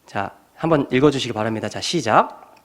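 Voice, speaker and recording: A man's voice: mid-range voice, lively intonation, fairly quick. A male pastor preaching a sermon in a church, telling the story vividly and acting out the scenes.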